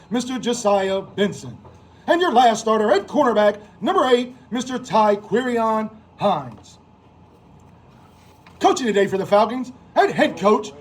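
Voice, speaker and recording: A male American public address announcer with an extremely high-pitched voice. His delivery swoops up and down as he announces football lineups, stretching out names with theatrical flair. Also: husky. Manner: theatrical, drawn-out name calls.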